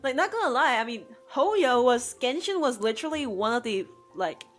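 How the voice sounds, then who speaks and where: A woman's voice: fairly high pitch, expressive, normal speed. A woman whose first language is Cantonese, chatting casually and laughing often while she streams her drawing. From Hong Kong. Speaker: art streamer. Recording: faint music under the voice. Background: soft background music.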